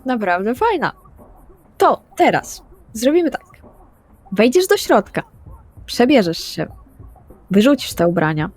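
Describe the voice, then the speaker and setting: A woman's voice: fairly high pitch, sing-song, a little slow, long pauses. A woman voicing an eccentric, protective vampire in an audio roleplay, motherly, cryptic and insistent. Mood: instructing.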